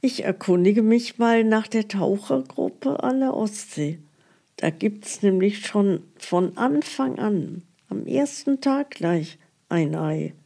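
A woman's voice: mid-range voice, animated, slow, vocal fry, dark tone, full character voice. An actress playing an aggrieved elderly woman in a radio play, complaining indignantly about her hardships. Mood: disappointed, aggrieved. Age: older. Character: aggrieved elderly woman patient grumbling about bills and broken promises. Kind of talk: radio play, mock-documentary monologue.

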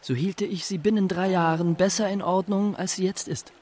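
Male actor for earnest disciple in poetic radio play: raised pitch, deliberate, declamatory, faint music behind. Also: fairly even intonation, a little mellow, close to an everyday voice. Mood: earnest, dreamy. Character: earnest male disciple reciting ancient Chinese verse. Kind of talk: poetic radio drama recitation.

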